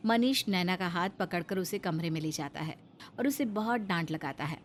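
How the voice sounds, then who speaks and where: A woman narrating a cartoon story in a calm, scripted storytelling manner. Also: on the low side, moderate pace, slight background noise.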